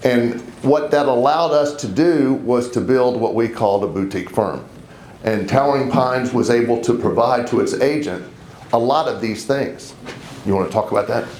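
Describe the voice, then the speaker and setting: A man's medium-pitched voice at a moderate pace, with ordinary pitch variation, noticeable background noise and audible room echo. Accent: Southern US. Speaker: real estate broker. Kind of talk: conference talk. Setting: stage with audience.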